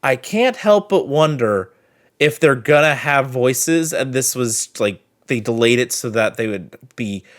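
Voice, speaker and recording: A man with a chatty, expressive manner hosting a reaction video and giving casual commentary and review. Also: mid-range voice, a little slow.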